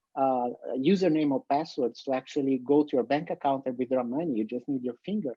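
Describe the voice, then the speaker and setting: The voice carries a Brazilian accent. It moves at a very fast pace. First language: Portuguese. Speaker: business panelist. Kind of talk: panel discussion.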